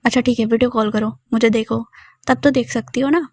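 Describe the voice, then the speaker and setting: A prickly female teacher who bristles and denies being angry, as a woman narrator puts her on, her voice a little high with a flat, level melody. She snaps back defensively in a storybook reading. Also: a little fast, breathy edge, no room sound, clean studio sound. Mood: snappish. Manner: snappish, defensive. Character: touchy jealous female teacher, sulking.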